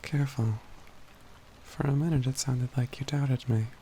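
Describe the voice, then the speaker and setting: A man's voice: medium pitch, steady tone, dark tone, slight background noise, close to an everyday voice, low-quality recording. A man playing a composed, learned mage companion in a fantasy ASMR roleplay, speaking in formal, old-fashioned phrasing with a dry, teasing wit. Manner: measured, formal old-fashioned wording, dryly wry.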